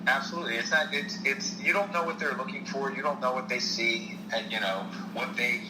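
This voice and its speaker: A man's voice: mid-range voice, fairly even intonation, a little fast, echoey room, background noise. A man with a South Jersey, Philadelphia-area accent, an actor and stunt performer giving earnest advice in an interview. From South Jersey, United States. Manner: earnest, repeats key points for emphasis. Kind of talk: podcast interview.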